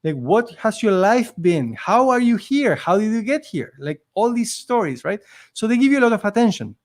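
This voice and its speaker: A man's voice: sits high, big pitch swings, normal speed. A man with a non-native accent, a podcast guest telling his story in an earnest, emphatic, motivational way. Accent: non-native accent in English. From immigrant living in Canada. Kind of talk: conversational storytelling.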